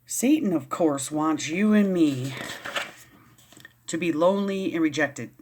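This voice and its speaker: A woman's voice: low-pitched, a little slow, darkish tone, slight background noise. Woman vlogger, casual read-aloud with riled, rambling asides. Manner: rambling, easily riled, many restarts. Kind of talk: casual reading and commentary.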